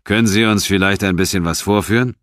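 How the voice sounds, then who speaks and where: A man voicing a sharp, skeptical female police interrogator who questions in a cold, insistent way. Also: lowish voice, steady tone, quick pace, no room sound, studio quality, voice pushed up, natural voice.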